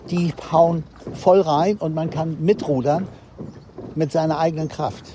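A man's voice: a little high, steady tone, measured pace, warm tone, a little hiss or hum. An older man, a club rower, talking enthusiastically in an interview clip.

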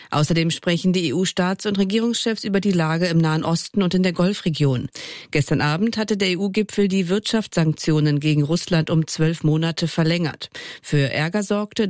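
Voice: mid-range voice, darkish tone, no room sound, studio quality. A correspondent reading a formal radio news report. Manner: measured, formal.

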